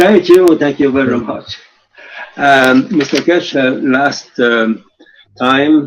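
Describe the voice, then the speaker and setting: A man with a French accent and fairly high pitch, speaking at a very slow pace with long, frequent pauses and ordinary pitch variation. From Quebec. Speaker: caller. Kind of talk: question to a teacher. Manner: halting, many fillers.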